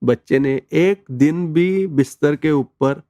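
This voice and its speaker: A man's voice: a little high, slow, warm tone, no room sound, studio quality. A man, telling a personal story as an interview guest in an earnest, conversational way. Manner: earnest storytelling, mixes in English words.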